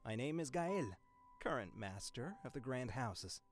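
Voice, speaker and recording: A gentle young-hearted lord of a fantasy game. He speaks softly and formally, with shy, polite hesitation. Music plays underneath. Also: medium pitch, very animated, measured pace. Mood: polite, flustered. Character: gentle, courteous, bashful male master of grand houses. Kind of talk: visual novel voice acting.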